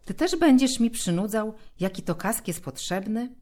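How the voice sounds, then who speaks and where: A woman's voice: mid-range voice, expressive, normal speed, dark tone, voice pushed up, natural voice. A woman voicing a sulky young boy who grumbles and sounds bored, in a storybook reading. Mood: grumbling.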